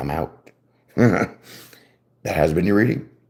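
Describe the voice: Putting on a character voice, a man speaks hoarse and raspy, very deep and low in pitch, at a fairly slow pace.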